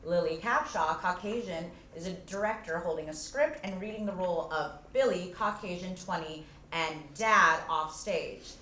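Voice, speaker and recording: A woman with a slightly low voice reads the stage directions in an even, measured manner. Her voice sounds echoey in the room, with faint ambience behind it. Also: slight background noise.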